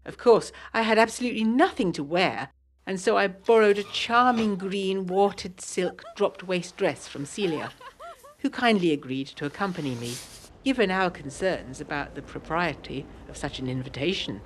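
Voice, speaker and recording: A woman playing a genteel, lively 1920s Englishwoman with an English accent, reading her letters aloud in a prim, articulate way for an audio drama. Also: lowish voice, moderate pace, a little hiss or hum, lightly acted, rough recording. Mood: chatty, delighted. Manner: prim, articulate, period turns of phrase.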